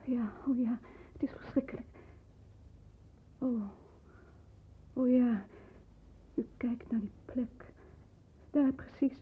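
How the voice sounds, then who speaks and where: An actress playing a frightened, devoted young woman in a 1960s radio play, breathy, hushed and anguished, on a muffled old recording. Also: on the high side, fairly even intonation, takes it slowly, pauses often, heavily acted. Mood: frightened whispering. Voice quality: breathy, husky.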